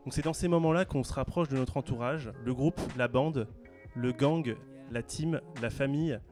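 A man hosting a casual radio chat show, relaxed and hesitant, with many fillers. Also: mid-range voice, moderate pace. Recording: music playing faintly behind.

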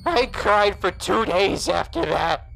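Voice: mid-range voice, sing-song, gravelly, a bit bright, soft background music, exaggerated voice, low-quality recording. An actor playing a monstrous creature posing as a gangster's trusted friend in a noir horror audio drama, insistent and coaxing. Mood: pleading. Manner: slow, deliberate, insistent, coaxing.

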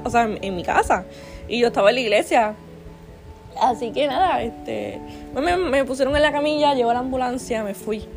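A young woman talks straight to her viewers, chatty and earnest, circling back on her words with restarts and fillers. Her voice sits a little high. Faint music plays quietly underneath. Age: 20s. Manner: earnest, faith-minded advice giver. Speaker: vlogger. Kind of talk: casual personal storytelling.

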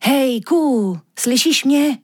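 A woman voicing an anxious male magic reindeer who talks in a slangy, pleading way, with a husky voice. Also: high voice, expressive, voice pushed up. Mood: urgent, pleading.

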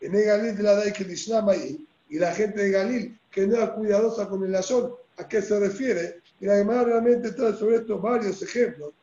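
A man with a Rioplatense Spanish accent teaching a Talmud lesson in a fairly high voice with a dark, mellow tone. He explains step by step and keeps checking that his listeners follow. The recording is dull and lo-fi, with an echoey room around him. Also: normal speed, hardly any pauses. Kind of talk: religious text lesson.

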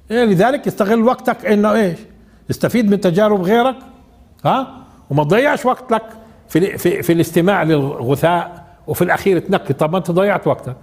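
Man, older, high voice, casual teaching tone, questions to listeners. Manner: conversational, asks the audience questions. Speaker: Quran teacher. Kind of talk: informal religious lesson.

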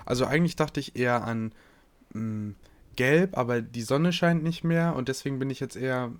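A man co-hosting a podcast in casual chat, cracking deadpan jokes and absurd asides. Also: medium pitch, moderate pace, no room sound. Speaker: podcast co-host.

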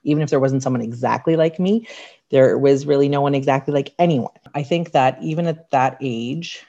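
A woman with a raspy, slightly deep voice, a podcast guest telling candid, reflective stories from her life in casual chat. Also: brisk, mellow. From Canada. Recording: dull lo-fi sound.

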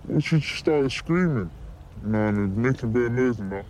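An anonymous interviewee in a documentary, a man whose voice is disguised and pitched down, talking in a cocky, smug way. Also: expressive, normal speed, darkish tone, a little hiss or hum. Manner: cocky, smug street talk. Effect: disguised voice, pitched down deep.

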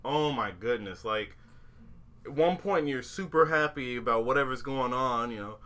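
A young man chatting casually as an excited anime fan, gushing and dramatic. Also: mid-range voice, moderate pace. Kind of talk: casual chat about anime.

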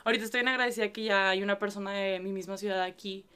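Young woman hosting a podcast, chatty, smooth clear voice. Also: mid-range voice, steady tone, very fast, a bit bright. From northern Mexico. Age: young adult. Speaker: podcast host. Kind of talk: casual podcast conversation.

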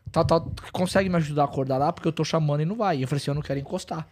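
A man, chatting casually on a podcast in a quick, slangy, emphatic way. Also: a little high, darkish tone, slight background noise. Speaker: podcast co-host and app driver.

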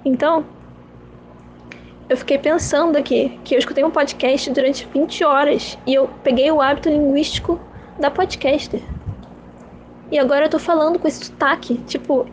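A woman's voice: sits high, a little fast, slight background noise, rough recording. A young woman hosting her own podcast, musing and rambling in a self-mocking, repetitive way. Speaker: podcast host. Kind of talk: casual rambling monologue.

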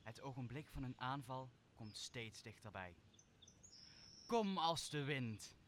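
A man's voice: medium pitch, expressive, slow pace. A man acting a vengeful magician who commands spirits in a Shakespeare radio play, solemn and authoritative. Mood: commanding, satisfied. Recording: faint background noise.

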